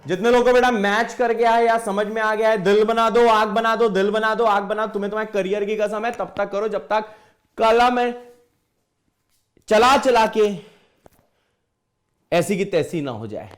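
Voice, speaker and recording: A man's voice: sits high, normal speed, pauses often. A middle-aged man teaching maths in an online exam-prep lecture, playful and jokey, calling his students "beta".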